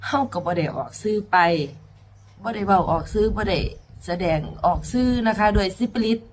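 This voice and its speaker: A woman's voice: mid-range voice, animated, moderate pace, a little mellow, a little hiss or hum. A woman singer with an Isan accent, telling a personal story in tears and pleading earnestly with her listeners. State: tearful. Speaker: mor lam singer.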